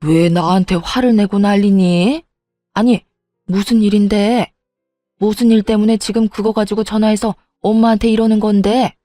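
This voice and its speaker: A woman's voice: mid-range voice, fairly even intonation, moderate pace, warm tone, no echo, faint music behind, close to an everyday voice. A woman voicing a selfish older mother-in-law who dismisses and scolds her son in a storybook reading. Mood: dismissive.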